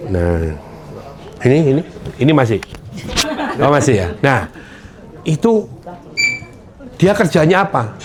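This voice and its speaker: A man giving a joking, lively motivational training talk to insurance sellers, acting out client dialogues. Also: mid-range voice, slow, long pauses, a crowd in the background.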